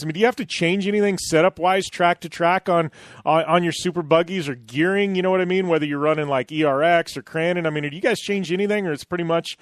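A man's voice: a little high, dry recording, studio quality. A man hosting an interview, asking long rambling questions in a friendly, chatty way and calling the guest "man" and "dude". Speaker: show host. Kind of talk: casual interview chat.

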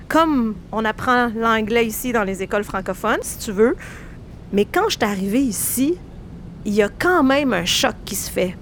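A woman's voice: on the high side, a little hiss or hum. Woman from Egypt explaining her name. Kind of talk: personal testimony in an interview.

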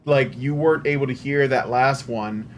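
A man hosting a podcast, relaxed and rambling in casual chat. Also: mid-range voice, normal speed, slight background noise. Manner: relaxed, rambling, many fillers. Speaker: podcast host.

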